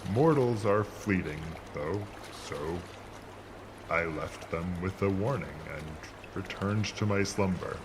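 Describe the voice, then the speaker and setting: A deep-voiced, immortal sea monster, stern and vengeful. The speech is grand and formal, full of scorn for mortals, with watery noise clearly behind it in this audio drama. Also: male voice, slow. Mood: solemn, grave.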